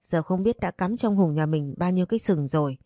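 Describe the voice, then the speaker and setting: A woman's voice: lowish voice, mellow, no room sound, studio quality, natural voice. A woman voicing a grown daughter who gossips bluntly and indignantly. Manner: blunt, fast and scolding.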